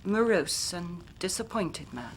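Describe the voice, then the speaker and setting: An actress playing a grave young Victorian woman who tells her story in measured, formal speech, sometimes dropping to a hushed whisper. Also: fairly low pitch, lively intonation, a little hiss or hum, low-quality recording. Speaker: client telling her story. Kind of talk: period radio drama acting.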